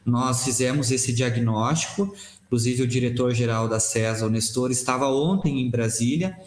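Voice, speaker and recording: A man in his thirties, a health secretary, giving a measured official statement on a video call from a small office. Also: medium pitch, roomy sound. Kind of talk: news interview statement. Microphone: webcam on video call.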